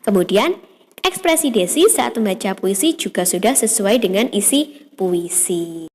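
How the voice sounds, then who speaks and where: A woman's voice: mid-range voice, animated, measured pace, darkish tone, slightly rough. A woman primary school teacher giving a patient lesson to young children, explaining step by step with frequent "ya" and "nah". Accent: Indonesian. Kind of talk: online class lesson for children.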